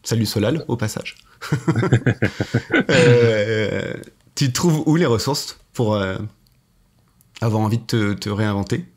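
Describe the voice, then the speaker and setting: Guy hosting a podcast, kinda low voice, chatty and friendly, says euh a lot. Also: slow, long pauses. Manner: friendly, informal, many fillers. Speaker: podcast host. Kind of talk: casual interview.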